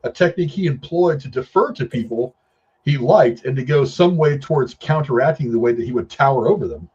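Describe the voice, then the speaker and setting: A man's voice: mid-range voice, lively intonation, fairly quick, darkish tone, slightly rough, lo-fi sound. A man co-hosting a casual film chat, telling rambling anecdotes in slangy, profane language. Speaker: podcast co-host.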